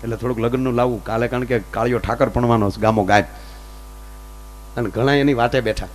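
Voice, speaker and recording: A man with a mid-range voice tells Gujarati folk comedy stories on stage at a fast clip, playing both sides of every conversation in animated fashion. There's a little hiss or hum in the recording.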